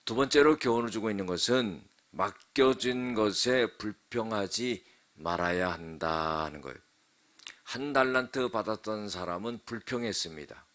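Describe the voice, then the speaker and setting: A male pastor giving an early-morning sermon, speaking earnestly and in measured phrases straight to his congregation in a temporary church sanctuary. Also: lowish voice, lively intonation, a bit bright. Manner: earnest, measured preaching that addresses the congregation directly.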